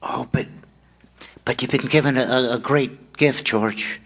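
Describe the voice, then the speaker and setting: An actor in a radio play stage reading, playing a gentle, childlike, centuries-old angel with an eager, stammering manner. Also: male voice, mid-range voice, fairly even intonation, unhurried. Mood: earnest. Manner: stammering, innocent, chuckling.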